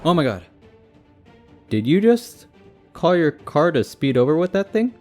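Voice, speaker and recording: A man's voice: fairly high pitch, very animated, measured pace, a little mellow, soft background music. A young man playing a devoted, panicky boyfriend with casual, sarcastic asides in an audio roleplay. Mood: urgent, flustered. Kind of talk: ASMR audio roleplay acting.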